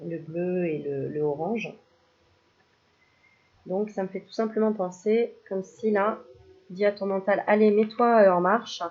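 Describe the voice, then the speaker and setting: Une femme qui tire des cartes de spiritualité, bavarde et joueuse, qui rit souvent et lance parfois des chants pour rire. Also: female voice, medium pitch, steady tone, measured pace, pauses often, muffled recording. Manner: chatty, playful, laughs often, bursts into mock singing. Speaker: spiritual card reader. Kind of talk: casual card-reading video.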